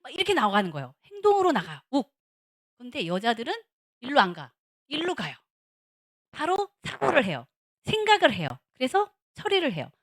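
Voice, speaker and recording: A middle-aged woman, a seminary professor, giving a lively lecture on marriage at a church, acting out little dialogues and repeating words for emphasis. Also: high voice, fairly quick. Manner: animated, acts out little dialogues of husbands and wives.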